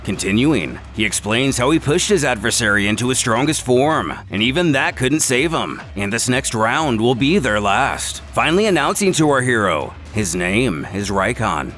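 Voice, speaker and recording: A man's voice: medium pitch, big pitch swings, moderate pace, hardly any pauses, fairly bright tone, soft background music. A man narrating a scripted action story in a dramatic, theatrical way, stretching words for emphasis.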